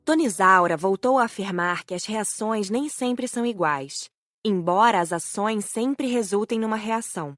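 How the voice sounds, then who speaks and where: A woman's voice: mid-range voice, animated, normal speed, fairly bright tone, no echo, clean studio sound. A woman reading scripted storytelling narration as the narrator of an audiobook.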